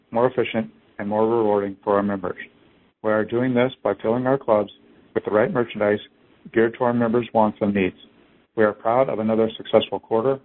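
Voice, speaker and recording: A man reading a scripted business presentation as a company executive on an earnings conference call. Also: lowish voice. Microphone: conference call phone line. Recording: narrow tinny phone-line audio.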